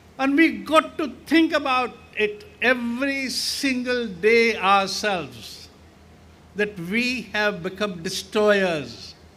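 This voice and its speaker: Raising and projecting his voice, a man speaks at a high pitch and a very slow pace with a bright, sharp tone. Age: 80s+. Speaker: architect and guest speaker. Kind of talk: commencement speech. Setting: graduation ceremony in an arena.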